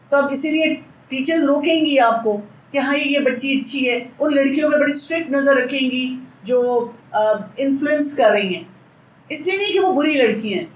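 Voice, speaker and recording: A woman's voice: on the high side, roomy sound, poor audio. A middle-aged woman with a Pakistani accent, a pediatrician giving an Islamic parenting lecture in an earnest, advising way and mixing English words into her speech.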